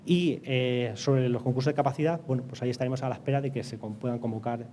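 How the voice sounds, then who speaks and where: A man with a Castilian Spanish accent speaks in a mellow, mid-pitched voice. He explains things as an interview guest, hesitating and repeating words. There is light ambient noise behind him. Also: fairly even intonation, fast talker. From Castilla-La Mancha, Spain. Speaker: interview guest, energy company project director.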